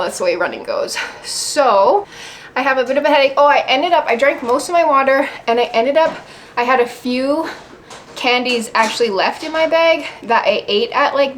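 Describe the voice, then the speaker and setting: A woman chatting casually to the camera as a vlogger, indoors at home. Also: fairly high pitch. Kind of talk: casual vlog chat. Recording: light ambient background noise.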